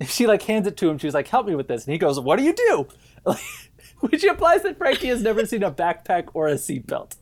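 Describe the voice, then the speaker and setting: A woman's voice: medium pitch, a little fast, a little hiss or hum. A woman podcast co-host telling movie scenes in casual, incredulous, giggly conversation. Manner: giggly, incredulous, animated storytelling. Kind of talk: casual comic movie chat.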